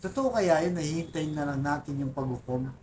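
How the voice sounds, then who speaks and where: A man's voice: a little high, lively intonation, brisk, darkish tone, a little hiss or hum. A man with a Filipino accent, talking informally and earnestly to his viewers about faith, often asking "right?" and reading verses aloud. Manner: earnest, repeats "di ba?" and "guys" often, reads scripture aloud. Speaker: Catholic faith vlogger. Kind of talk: informal religious teaching to viewers.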